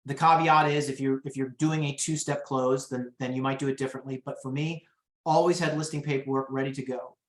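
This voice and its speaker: Guy teaching a webinar, tells stories and does the voices, average pitch, kinda echoey. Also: brisk. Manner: lively storyteller, acts out quotes. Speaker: real estate trainer. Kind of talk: training webinar.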